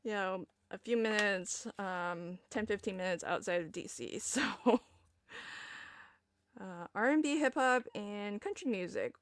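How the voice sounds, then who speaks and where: A woman from Northern Virginia, whose first language is Vietnamese, hosts a relaxed live card-making demo. She speaks at an unhurried, slow pace, chatting with viewers and filling pauses with ums as she works through each step. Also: mid-range voice, smooth, no echo. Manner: unhurried, chatty, thinks aloud with frequent ums while working.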